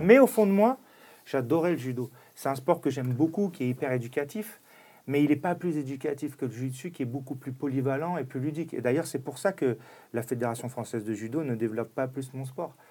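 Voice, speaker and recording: On a very clean recording with a silent background, a man with an ordinary speaking voice and fairly high pitch talks at a fairly quick pace with ordinary pitch variation. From southern France. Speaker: sports coach and martial arts champion. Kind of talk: casual chat.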